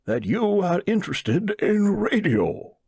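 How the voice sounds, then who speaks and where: A standoffish old aristocrat from a storybook, put on by a male reader, speaks in a raised, high voice. He is genteel and dismissive, with swooping intonation. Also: sing-song, slow, creaky, darkish tone, husky, no room sound, studio quality, exaggerated voice. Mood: genteel, inviting. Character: standoffish rich old aristocrat, thin and sheep-faced. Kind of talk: storybook character voice.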